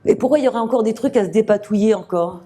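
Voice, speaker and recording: A woman medium giving a live reading to an audience, speaking gently with many fillers and restarts. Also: mid-range voice, racing, a little hiss or hum. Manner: gentle, reassuring address to the sitter.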